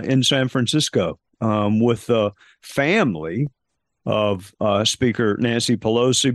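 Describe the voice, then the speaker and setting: A man hosting an interview podcast, speaking in a measured, thoughtful way with frequent fillers. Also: medium pitch, no room sound, studio quality. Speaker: podcast host. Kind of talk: conversational interview.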